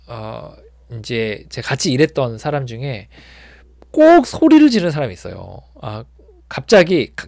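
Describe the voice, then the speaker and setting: Gravelly guy rambling about recovery, lots of fillers, dry close sound. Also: mid-range voice, no room sound. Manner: rambling, many filler words and restarts; acts out shouting people when retelling. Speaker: addiction recovery counselor. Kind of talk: informal talk to viewers.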